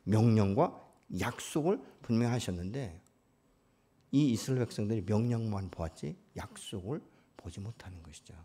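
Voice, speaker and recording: A male pastor preaching a sermon at a prayer meeting, rising to loud emphatic peaks and dropping to quiet asides, often asking the congregation questions. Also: fairly low pitch, animated, moderate pace, a little hiss or hum.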